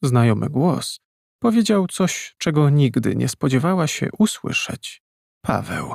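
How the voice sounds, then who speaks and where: With a dramatic tone and very wide pitch swings, a fairly high-pitched man speaks at a very slow pace in a dry, close sound with no echo. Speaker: audiobook narrator. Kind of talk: dramatic audiobook narration, reading fiction aloud. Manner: tense, suspenseful, measured pacing with dramatic pauses.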